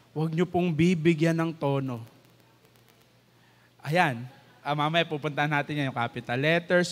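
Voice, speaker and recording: A man with a Filipino accent giving a conversational church teaching, mixing English into his talk and acting out quoted lines. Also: fairly high pitch. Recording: church hall with long reverb.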